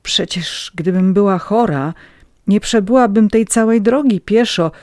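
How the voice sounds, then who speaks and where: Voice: mid-range voice, unhurried, a little mellow, no room sound, clean studio sound, voice pushed up, lightly acted. A reader voicing a weary pleading peasant girl. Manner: pleading, timid. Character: young pregnant peasant woman, exhausted and pleading. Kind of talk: audiobook reading.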